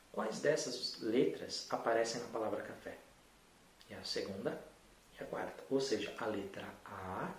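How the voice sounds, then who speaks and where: A man teaching an adult literacy lesson, patient and encouraging, talking straight to the learner. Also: mid-range voice. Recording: echoey room, distant mic, faint hiss.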